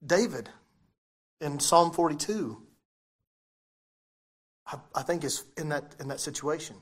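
A man's voice: a little high, a little slow, slightly rough. A man preaching a sermon, repeating key phrases and putting questions to his listeners, his articulation slightly impeded by dental braces.

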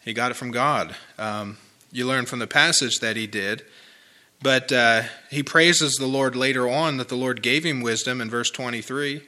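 A pastor with a bright, mid-range voice delivers an informal sermon that draws responses from the congregation. His folksy, conversational style leans on repeated phrases for emphasis.

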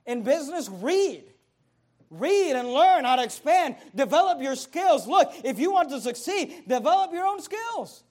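A man's voice: very high-pitched, sing-song, a little slow, darkish tone. A young adult man preaching a sermon as pastor, emphatic and repetitive, driving his points home.

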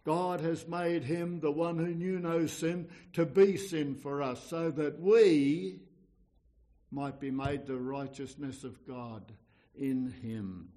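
A man's voice: a little high, steady tone, slow, dark tone. A man preaching an evangelical sermon in an earnest, exhorting manner, often repeating phrases and posing questions.

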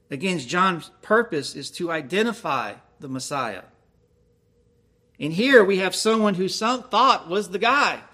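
A man's voice: a little high, pushed and bright. A man preaching a sermon, reading scripture aloud and explaining it with questions to his listeners. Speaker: pastor.

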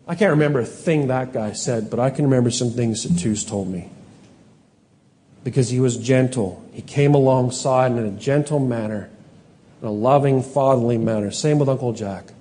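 Earnest pastor preaching in a reverberant hall. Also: male voice, medium pitch, warm tone. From Canada. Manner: earnest, with slow emphatic scripture reading and self-corrections. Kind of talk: sermon.

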